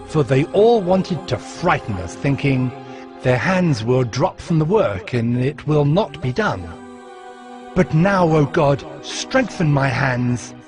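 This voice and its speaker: A man playing a steadfast, devout ancient governor, narrating his memoir of scripture in a solemn, measured way. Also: a little high, lively intonation. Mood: earnest prayer. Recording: music behind the voice.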